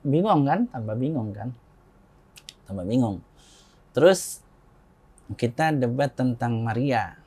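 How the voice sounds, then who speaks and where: A man's voice: medium pitch, slow, pauses often, breathy edge. Middle-aged Indonesian man telling a story. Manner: lively, acts out quoted dialogue with raised voice, chuckles often. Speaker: interview guest. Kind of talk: conversational personal storytelling.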